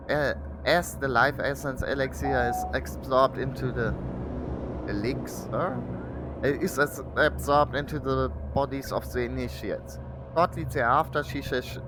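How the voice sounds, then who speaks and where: A man's voice: mid-range voice, very noisy, close to an everyday voice. A man voicing a solemn, pompous German occult official with an exaggerated German accent, reading a sinister report in a game.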